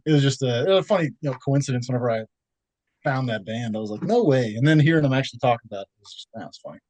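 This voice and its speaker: A man's voice: medium pitch, lively intonation, racing, a little mellow, dry recording. Rambling laid-back man from Texas. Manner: rambling, laid-back, many fillers and restarts, laughs often. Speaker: podcast guest. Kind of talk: casual interview chat.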